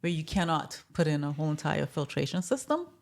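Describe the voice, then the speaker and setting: Low-voiced woman giving practical advice. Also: very animated, fairly quick, gravelly. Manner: agreeing, encouraging, practical. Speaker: health coach co-host. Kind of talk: casual conversational health talk.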